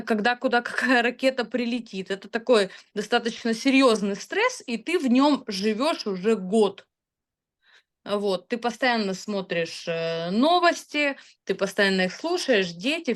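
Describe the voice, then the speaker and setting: A woman in her thirties talking casually about her own results, chatty and hesitant, with frequent filler sounds. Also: on the high side. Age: 30s. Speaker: customer sharing product results. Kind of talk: casual testimonial talk.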